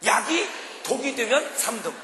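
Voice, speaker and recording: A man's voice: extremely high pitch, normal speed, very noisy. A male pastor preaching a revival sermon to a congregation, joking with them and acting out little scenes as he goes. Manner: animated, jokes and acts out quarrels for the congregation. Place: large church revival meeting. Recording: live hall reverb.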